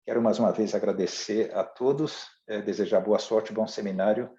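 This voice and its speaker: A man speaking with a mellow, lowish voice, formal and halting as he addresses a webinar as a trade official. His audio is roomy and echoey, and it comes through dull and lo-fi over the call. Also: fairly even intonation. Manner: halting and formal, with many restarts. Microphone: video call.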